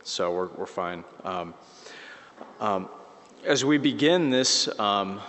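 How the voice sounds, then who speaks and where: A slightly hoarse man giving a casual, conversational sermon as a priest, with many fillers and restarts. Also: lowish voice, lively intonation, takes it slowly, fairly bright tone, a little hiss or hum. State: slightly hoarse, losing his voice. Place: church. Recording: church mic with long reverb.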